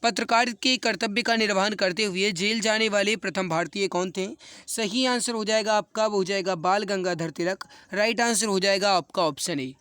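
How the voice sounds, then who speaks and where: Male exam tutor, sore throat. High, smooth voice, dry close sound. Earnest and encouraging, repeats every question. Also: normal speed, pushed and bright, dry recording. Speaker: exam-prep teacher. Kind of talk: online exam practice class.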